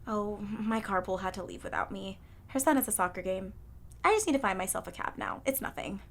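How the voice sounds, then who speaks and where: A woman playing a gentle, perceptive water nymph who works as a nurse in an audio drama, soothing and conversational. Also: mid-range voice, expressive, fairly quick. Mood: mildly frustrated. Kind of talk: naturalistic audio drama acting.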